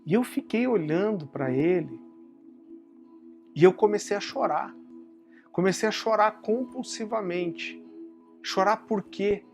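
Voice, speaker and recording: A man with a Brazilian Portuguese accent preaching a sermon, telling warm family stories that he turns to a solemn point, often calling his listeners brother. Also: unhurried, creaky, pauses often, soft background music. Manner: drops low and soft for solemn points. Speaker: pastor.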